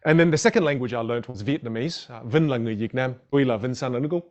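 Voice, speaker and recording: A man's voice: mid-range voice, racing, muffled recording. A man whose first language is a Chinese dialect teaches public speaking in a live online masterclass, upbeat and greeting viewers in the chat.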